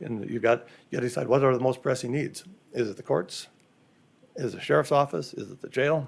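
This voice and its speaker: Vocal fry runs through a man's medium-pitched voice as he talks at a very fast pace. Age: 60s. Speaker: construction consultant. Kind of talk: presentation to county commission. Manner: halting, many fillers and repeats.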